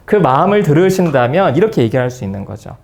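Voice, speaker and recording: A man's voice: fairly high pitch, fast, vocal fry. A man giving a psychology lecture to an audience, acting out everyday dialogue as he teaches. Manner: lively, acts out quoted dialogue. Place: lecture room.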